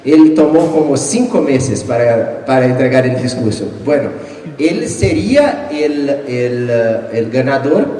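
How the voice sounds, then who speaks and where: A man in his forties, a native Portuguese speaker from Brazil, presenting his book at a live panel, halting and joking with frequent restarts and chuckles. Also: fairly high pitch, a little mellow. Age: 40s. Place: large hall with long reverb. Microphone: distant from the mic. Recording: echoey hall, far from mic.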